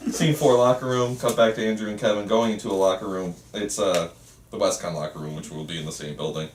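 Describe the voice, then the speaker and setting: Guy reading out stage directions, kinda low voice, echoey room. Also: fairly even intonation, quick pace. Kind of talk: reading screenplay directions aloud. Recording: roomy, faint noise, distant mic.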